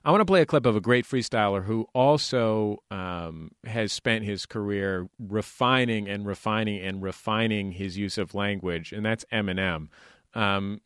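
A man's voice: on the low side, fairly bright tone, no echo. Man hosting a studio interview. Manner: thoughtful, explains at length, laughs easily. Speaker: radio interview host. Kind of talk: interview talk.

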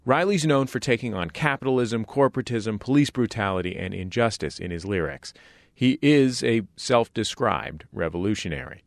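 A man hosting a radio show, reading scripted introductions with a smooth announcer delivery. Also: lowish voice, expressive, normal speed, no room sound, clean studio sound.

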